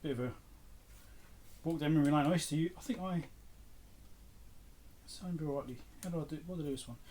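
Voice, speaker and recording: A man's voice: on the high side, fast, darkish tone. A middle-aged man talking casually off the cuff, musing to himself like a vlog host as he goes through items. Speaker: host of an electronics repair channel.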